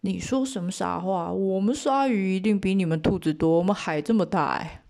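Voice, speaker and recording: A woman's voice: mid-range voice, normal speed, creaky, darkish tone, natural voice. Brash scoffing shark, a woman doing it. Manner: scoffing, blunt. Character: boastful dim-witted shark, male, brash.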